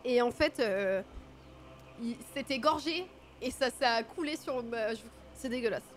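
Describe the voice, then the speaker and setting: A woman's voice: fairly high pitch, measured pace, a little hiss or hum. A woman streaming a video game with casual, self-mocking commentary, her nose stuffy from a cold. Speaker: gaming streamer.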